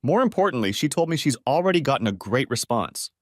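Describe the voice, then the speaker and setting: A man voicing a confident young woman who plans a scheme, in a brisk, matter-of-fact way. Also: mid-range voice, big pitch swings, no room sound, studio quality.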